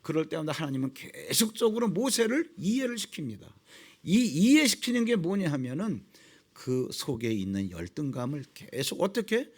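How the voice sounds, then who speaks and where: Middle-aged guy preaching, high voice, swings all over, acts out the dialogues. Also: moderate pace. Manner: animated preaching, acting out dialogues with sudden drops to low quiet tones. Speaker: pastor. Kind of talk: sermon.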